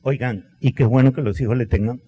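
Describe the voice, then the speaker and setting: A middle-aged man preaching a sermon, telling stories with acted quotes and dramatic pauses. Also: mid-range voice, fairly even intonation, lo-fi sound, soft background music. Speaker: pastor. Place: large church hall. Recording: long church hall reverb.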